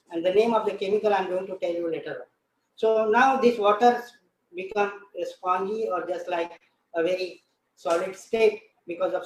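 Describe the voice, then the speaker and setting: Man, Indian accent, high voice, science show host, deliberate explaining with repeated questions, echoey room. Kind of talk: live science demonstration. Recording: echoey room, faint background noise.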